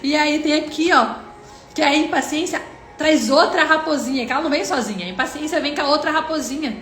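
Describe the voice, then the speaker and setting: A woman's voice: high voice, a little fast, fairly bright tone. A Brazilian woman giving an earnest devotional on a live stream, talking straight to her viewers and retelling what God said to her. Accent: Brazilian Portuguese. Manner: earnest, addresses viewers directly, quotes God in dialogue. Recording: echoey room with faint music.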